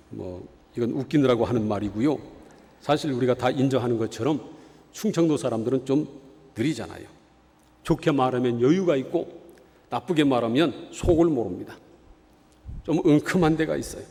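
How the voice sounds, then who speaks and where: A man's voice: medium pitch, brisk, pauses often, dark tone. A man from the Chungcheong region preaching a sermon as pastor, earnest, with rhetorical questions to the congregation. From Chungcheong, South Korea. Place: church sanctuary. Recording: long reverb of a church hall.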